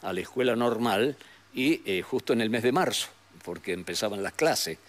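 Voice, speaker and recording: An older man with a northwestern Argentine accent, telling memories as an interview guest in a rambling, halting way with frequent tag questions. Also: lowish voice, animated. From San Salvador de Jujuy, Argentina. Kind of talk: reminiscing in a conversational interview. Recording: noticeable background noise.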